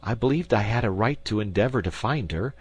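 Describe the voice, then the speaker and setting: A man's voice: lively intonation, a little fast, slightly rough. A man voicing a frantic, fawning middle-aged landlord in an audiobook, pleading and whining. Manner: pleading, panicky, high and whining. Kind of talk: audiobook character voice.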